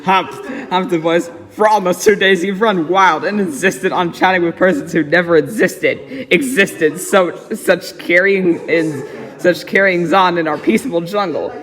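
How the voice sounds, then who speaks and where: A man's voice: high voice, unhurried, a bit bright. A man giving a dramatic reading of a rhyming children's storybook, stumbling a little over words. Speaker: storybook reader. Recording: echoey, very reverberant room.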